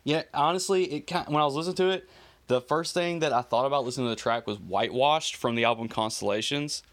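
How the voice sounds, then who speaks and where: An excited man reviewing an album casually. He rambles with lots of fillers and slang and runs out of breath. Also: mid-range voice, quick pace. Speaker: music reviewer.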